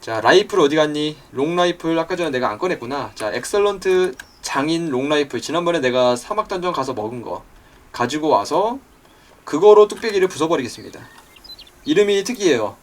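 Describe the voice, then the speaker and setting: A young man doing let's play commentary, excitable, talking to game creatures and yelping when startled. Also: a little high, fairly quick. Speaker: gaming YouTuber.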